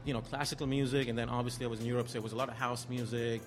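A man's voice: medium pitch, flat delivery, very fast. A man from Austria with an Austrian accent, a guest telling his story in a casual interview, easygoing and self-deprecating. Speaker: guest, music A&R. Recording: music playing behind.

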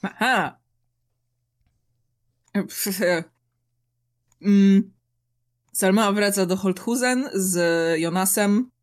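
A woman's voice: medium pitch, drawn-out words, pauses often. A woman, a tabletop player, talking playfully about her character's fate in casual chat. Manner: playful, lightly joking.

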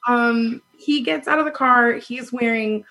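A woman in her thirties tells a dating story in loose, casual chat. Her voice is husky, loud and a little high. She acts out what people said and laughs often. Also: a little slow, poor audio. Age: 30s. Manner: animated, laughs often, acts out quoted lines. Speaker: podcast guest telling a dating story.

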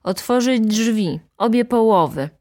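A woman's voice: on the high side, animated, unhurried, a little mellow, no room sound, clean studio sound, voice pushed up. A pompous, insolent valet, as a woman narrator puts him on, talking down to everyone in a haughty, commanding voice. He gives orders in the tone of a man who runs the house, as in a storybook reading.

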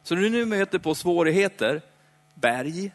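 A man preaching a sermon in a chatty, playful way, slowing down for dramatic emphasis. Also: high-pitched, lively intonation. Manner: conversational, dramatic slowdowns, playful asides. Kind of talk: lively sermon. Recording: hall reverb.

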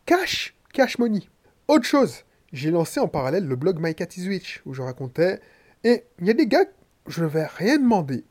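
A man's voice: sits high, sing-song, moderate pace, a little mellow. A man from Martinique with a head cold, a podcaster and coach talking bluntly and slangily straight to the listener in a casual monologue.

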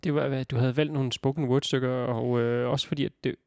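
A man's voice: medium pitch, fairly even intonation, a little mellow, no room sound, clean studio sound. A man hosting a casual radio interview, rambling with many fillers. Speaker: radio host.

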